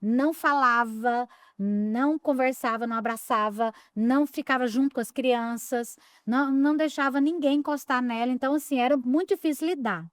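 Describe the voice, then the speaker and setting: A woman pastor tells a story on a podcast, full of reflective pauses. Her voice sits on the higher side. The sound is dry and close. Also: no echo. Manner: warm affirming interjections, reflective storytelling. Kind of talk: casual chat.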